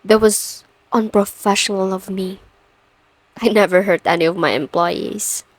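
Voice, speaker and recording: Brief: stern female CEO woman acting, overworked, dryly menacing, measured and commanding, unhurried delivery, close dry studio sound, for an audio roleplay. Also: medium pitch, steady tone, no echo, close to an everyday voice. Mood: composed, gracious.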